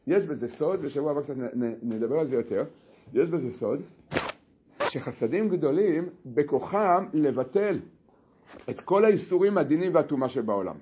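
A man teaching a Torah lesson, telling the story in an animated way with many restarts. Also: fairly high pitch, muffled recording, slight background noise. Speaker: religious teacher.

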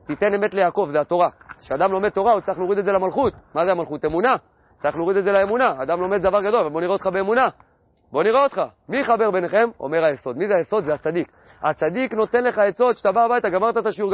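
Man with a high voice for a Torah lesson, asks and answers his own questions, muffled dry sound. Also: dry recording. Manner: poses questions and answers them himself; repeats key phrases in a steady teaching cadence. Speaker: religious teacher.

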